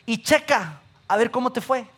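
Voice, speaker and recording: Brief: pastor, high, bright voice, lively preaching that fires questions at the congregation. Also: male voice, normal speed. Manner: animated, asks the audience questions, repeats lists. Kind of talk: sermon.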